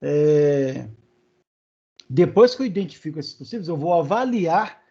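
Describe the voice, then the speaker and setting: A university lecturer with a Brazilian Portuguese accent gives a live online class, talking casually with lots of fillers and frequent check-ins with his students. His voice is on the high side, mellow and slightly rough, unhurried with lively intonation. The audio sounds dull and lo-fi.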